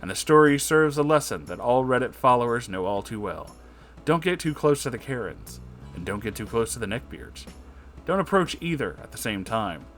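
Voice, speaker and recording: A man's voice: medium pitch, very animated, normal speed, a bit bright, faint music behind. A man narrating a comedic story as host, with an emphatic, dramatic storytelling delivery.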